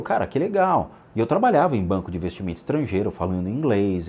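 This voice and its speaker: A middle-aged man hosting a channel, chatting casually and animatedly and acting out the dialogue in his stories, with frequent restarts. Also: deep voice. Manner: animated storytelling, acts out quoted dialogue; many fillers and restarts. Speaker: channel host answering subscriber questions. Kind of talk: casual monologue.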